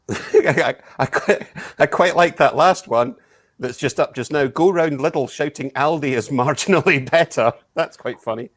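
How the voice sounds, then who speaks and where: A male host of an online improv show, dry and teasing as he steers the players. His voice sits a little high. The sound is close and dead, as on a video call. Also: a little slow, no room sound. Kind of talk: improv comedy banter.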